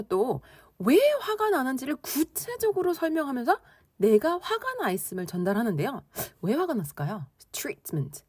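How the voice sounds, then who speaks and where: A slightly husky woman with a lively, bouncing pitch, teaching English conversation and playfully acting out angry reactions. Her voice sits a little high, recorded close and dry with no room sound. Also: dry recording. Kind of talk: explaining English expressions in Korean.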